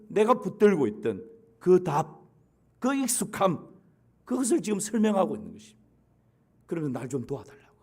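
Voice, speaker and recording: A man's voice: high-pitched, a little mellow. A male pastor delivering a sermon, repeating emphatic declarations and blessing the congregation.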